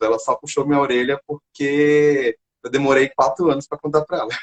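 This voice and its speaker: Speaking with an ordinary speaking voice, a man keeps a moderate pace and a fairly high pitch. The sound is dry and close, with no echo. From Maranhão / Goiás, Brazil. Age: 30s. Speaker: HIV awareness youtuber, hotelier. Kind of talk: interview testimony on live stream.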